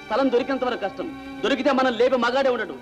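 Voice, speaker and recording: An actor playing an offended friend of the son-in-law who speaks sarcastically and mockingly. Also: male voice, very high voice, rapid-fire, music in the background. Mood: sarcastic.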